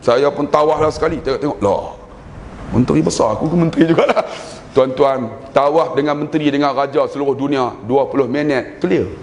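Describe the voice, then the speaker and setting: A man with a Malaysian Malay accent preaching a sermon, telling stories with humor and chanting prayers in a drawn-out way. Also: mid-range voice, darkish tone, slight background noise. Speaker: religious preacher. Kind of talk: sermon storytelling. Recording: long hall reverb.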